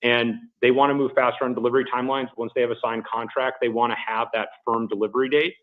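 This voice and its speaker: A man speaking as a company executive, giving measured, businesslike answers on an earnings call. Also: medium pitch, flat delivery. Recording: muffled phone-like conference line.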